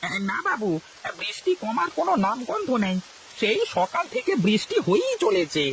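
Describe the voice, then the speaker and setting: A man voicing a sly, greedy male servant in a cartoon, wheedling with lively swings of pitch. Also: moderate pace, slight background noise, full character voice. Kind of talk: cartoon voice acting.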